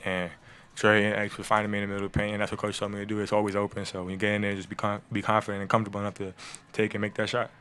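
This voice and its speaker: A young man, a first-year college basketball player, giving relaxed postgame answers at a table mic in a press room. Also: on the low side, rapid-fire, a little hiss or hum. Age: young adult. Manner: laid-back, relaxed, repeats "I mean". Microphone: table mic on stand.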